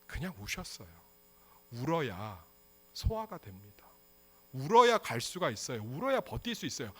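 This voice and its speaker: A male pastor preaching a sermon with passion, moving between hushed, quiet lines and loud outbursts. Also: medium pitch, big pitch swings, moderate pace, slightly rough.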